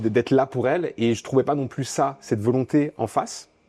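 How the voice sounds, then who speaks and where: A man at a fairly quick pace with a dark, mellow tone, in a dry, close sound with no echo and a quiet background. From France, Strasbourg (Alsace). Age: 30s. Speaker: software developer, expat interviewee. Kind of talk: interview. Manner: hesitant, many fillers.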